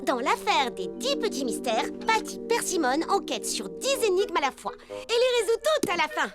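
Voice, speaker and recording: An excitable cartoon sleuth, a young woman who throws herself into every case. Her voice sits very high and leaps around dramatically. Loud cartoon music plays under her lines. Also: normal speed. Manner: theatrical, dramatic exclamations. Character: Baba Hortensia, excitable young woman fancying herself a detective. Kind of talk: French cartoon dub.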